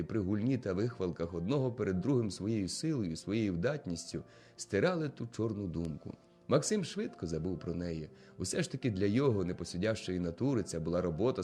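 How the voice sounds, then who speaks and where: Low-voiced male audiobook narrator. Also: mellow. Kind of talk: audiobook reading of a classic novel.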